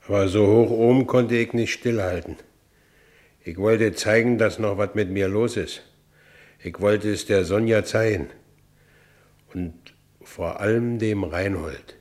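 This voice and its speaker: A man's voice: fairly low pitch, measured pace, pauses often, darkish tone, lightly acted. Berlin ex-con guy played by an actor in a radio play, simple, proud, boastful, berlin accent. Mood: earnest. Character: gullible, boastful one-armed Berlin ex-convict. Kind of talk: German radio drama acting.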